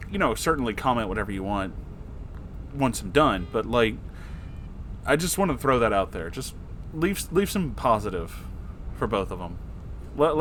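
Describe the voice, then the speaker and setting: A man reading internet stories aloud in an expressive, effusive way, breaking in with casual, emotional asides. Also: mid-range voice, slight background noise. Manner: emotional, effusive, reactive, profane.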